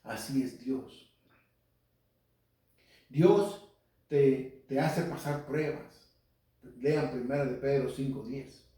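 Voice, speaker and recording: A man's voice: mid-range voice, takes it slowly, pauses often, dark tone. A man teaching the Bible on the radio in an earnest, conversational preaching style. He often repeats himself and speaks straight to his listeners. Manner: earnest, repetitive, addresses listeners directly. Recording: very echoey, speaker far from mic.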